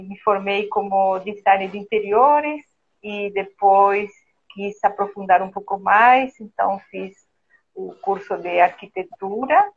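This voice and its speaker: A woman with an Argentine Spanish accent, a guest architect speaking slowly and hesitantly with many fillers in a casual conversation. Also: medium pitch, husky, dull audio. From Argentina (Buenos Aires), born in Brazil. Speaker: guest, architect and interior designer.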